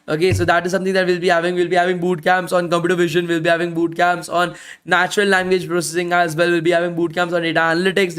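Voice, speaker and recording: His voice is high-pitched and a touch bright as he teaches a live online bootcamp, answering questions casually. He repeats himself, keeps ending phrases with "guys," and is going hoarse from talking daily.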